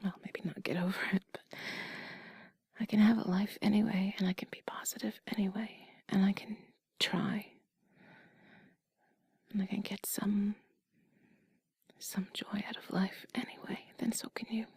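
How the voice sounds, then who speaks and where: A woman voicing a tender, affectionate partner in a whispered role-play, breathy, gentle, intimate and reassuring. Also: mid-range voice, flat delivery, moderate pace, long pauses, no room sound. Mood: soothing, tender. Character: tender affectionate female partner comforting a loved one.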